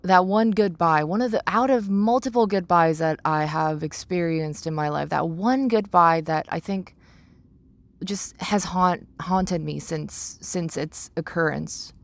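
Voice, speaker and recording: A young adult woman hosting a podcast talks through personal reflections, halting, searching for words, and repeating phrases. Her voice is lowish, with no room sound.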